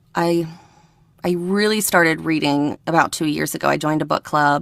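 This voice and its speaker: A woman speaks with a very deep, low pitch and a slight northern US accent. Her pace is moderate and her intonation fairly even. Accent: slight northern US accent on some words. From Northern Virginia. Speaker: audiobook narrator. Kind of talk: casual chat.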